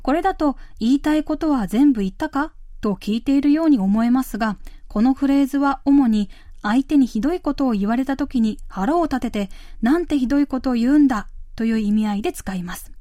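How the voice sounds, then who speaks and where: A woman hosting a language course, explaining phrases clearly and slowly in scripted narration. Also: high-pitched, dark tone, no echo, clean studio sound. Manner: clear, careful explanation with slow model phrases.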